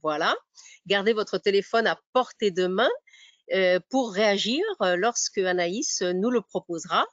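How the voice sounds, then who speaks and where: A woman's voice: medium pitch, no room sound. A woman moderating a webinar, giving the audience practical instructions with frequent hesitations and fillers. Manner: halting, many fillers. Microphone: computer mic on a video call. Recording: dry, muffled lo-fi audio.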